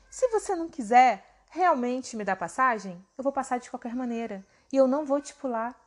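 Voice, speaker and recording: A woman voicing Bima, a proud and mighty male warrior who speaks with emphatic indignation. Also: high-pitched.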